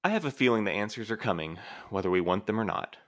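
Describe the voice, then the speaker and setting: A man playing a formal, dry, dutiful postmaster in an audio drama, reserved and earnest with measured, precise wording. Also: lowish voice, expressive, lightly acted. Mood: grave. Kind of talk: scripted audio drama acting.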